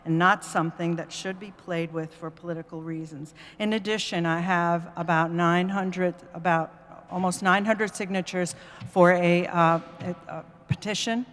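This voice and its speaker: A woman's voice: fairly low pitch, steady tone, normal speed, a bit bright. A woman giving public comment at a meeting, reading a prepared statement in an earnest, formal way. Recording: long reverb of a meeting hall.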